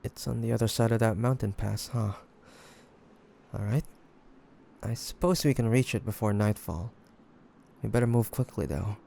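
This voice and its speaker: A man playing a grumpy, flustered demon hunter who secretly cares, speaking in a halting, defensive way in a roleplay audio drama. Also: on the low side, creaky, warm tone, a little hiss or hum.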